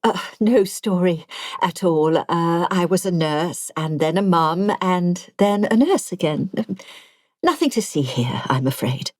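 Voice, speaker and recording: A woman voicing a modest, chatty elderly woman in an audiobook, soft-spoken and self-effacing. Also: on the low side, expressive, a little slow, no echo, clean studio sound.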